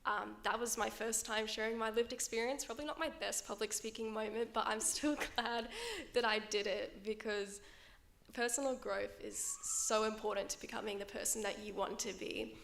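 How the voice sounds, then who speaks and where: Gravelly-voiced nervous young woman. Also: fairly high pitch, steady tone, normal speed, fairly bright tone. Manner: nervous, self-deprecating, laughing. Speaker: panel speaker. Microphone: handheld microphone.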